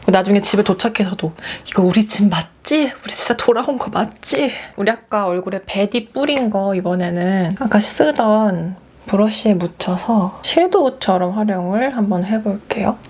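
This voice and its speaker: A woman's voice: mid-range voice, moderate pace, slight background noise. A young woman vlogger chatting through a story while doing her makeup, acting out what other people said. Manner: animated storytelling, acting out quoted voices. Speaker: beauty vlogger.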